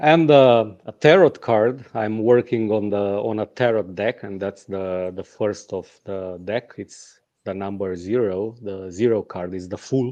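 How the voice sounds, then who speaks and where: Against a quiet background, a man with a Romanian accent talks at a fairly slow pace in a fairly low, dark and mellow voice, with ordinary pitch variation, big swings in loudness and hardly any pauses. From Romania, Transylvania. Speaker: portrait photographer. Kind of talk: presentation of own work. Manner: halting, many fillers and restarts.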